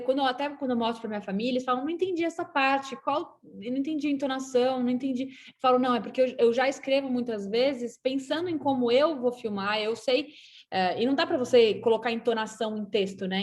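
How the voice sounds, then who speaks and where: Woman, Brazilian accent, slightly high voice, chatty, lots of restarts, live video call. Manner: chatty, warm toward fans, many restarts. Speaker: guest actress and filmmaker. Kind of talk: casual talk on a live stream.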